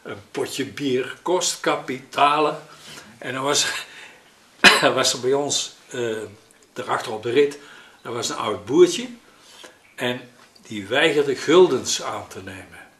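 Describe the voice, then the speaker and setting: An elderly man, recalling memories in a hesitant, pausing, conversational way. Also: mid-range voice, animated, bright, forceful tone. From Netherlands. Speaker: interviewee recalling his childhood. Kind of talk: spoken reminiscence in an interview. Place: living room at home, indoors. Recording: roomy echo with faint noise.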